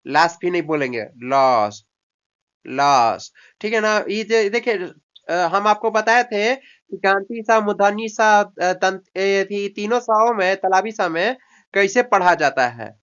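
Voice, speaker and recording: High-pitched, smooth and fairly bright, this man speaks a little slowly with lively intonation while teaching English vocabulary in Hindi. He switches between coaxing and scolding his student and drills words by repetition; the recording is dull and lo-fi.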